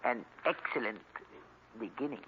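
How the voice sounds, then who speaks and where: Actor as formal Hindu professor, tinny old radio. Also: male voice, medium pitch, animated, normal speed, close to an everyday voice. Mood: guarded, courteous. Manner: formal, stilted, courteous. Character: polite, evasive Hindu professor, guarded and formal. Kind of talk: 1940s radio acting. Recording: tinny, noisy 1940s radio recording.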